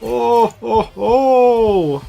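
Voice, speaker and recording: A very high-pitched, gravelly yet mellow male voice speaks very slowly during a casual livestream of a video game. He's playful and rambling, often repeating himself, with game music faintly audible.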